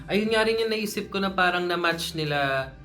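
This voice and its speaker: A man's voice: high-pitched, animated, normal speed, pushed and bright. A young man co-hosting a reaction video, gushing and exclaiming as he comments. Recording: music playing behind.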